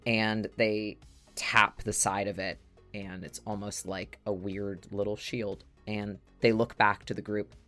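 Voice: sits low, flat delivery, measured pace, a bit bright, soft background music. A tabletop player narrating a character's actions in a rambling way full of fillers.

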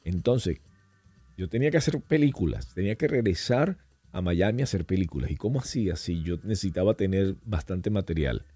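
A man's voice: low voice, brisk, husky, no room sound. A middle-aged man, a podcast guest, telling stories in casual conversation and slipping into voices and accents as he goes. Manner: animated storyteller who slips into voices and accents.

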